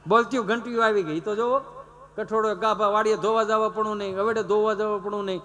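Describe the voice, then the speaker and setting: A man's voice: sits high, steady tone, brisk, sharp tone. A man telling folk comedy stories on stage with a Gujarati accent, acting out village characters in raised voices. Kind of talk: folk stand-up storytelling.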